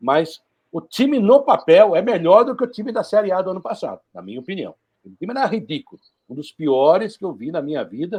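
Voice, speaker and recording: Here a man speaks at a high pitch, with very wide pitch swings. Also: fairly quick pace, big swings in loudness. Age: 60s. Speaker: football pundit. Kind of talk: casual chat.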